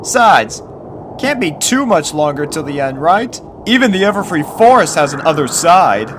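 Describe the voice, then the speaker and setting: A man's voice: on the high side, very animated, moderate pace, background noise, voice pushed up. A man voicing an easygoing, loyal young unicorn pony boy in an acted story reading. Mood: reassuring. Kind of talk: acted character voice in fan fiction reading.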